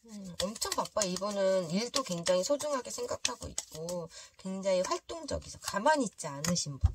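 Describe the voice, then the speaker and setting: An animated voice runs on with hardly any pauses over noticeable background noise. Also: moderate pace. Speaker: tarot reader. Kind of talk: tarot reading monologue.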